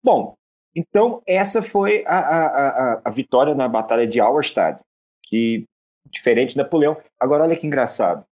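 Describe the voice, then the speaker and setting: Here is a man at a middle pitch, talking through military history in a loose, chatty lecture. He often trips on his words, repeating short syllables and restarting before he goes on. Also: expressive, moderate pace, darkish tone. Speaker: history show host. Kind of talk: casual spoken history lecture.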